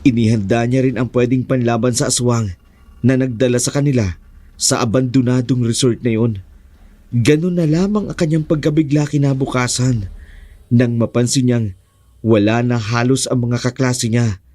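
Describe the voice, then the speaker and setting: A man's voice: mid-range voice, steady tone, normal speed, no echo. A man with a Filipino accent narrating a horror story with dramatic delivery. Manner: dramatic, shouting in fight scenes.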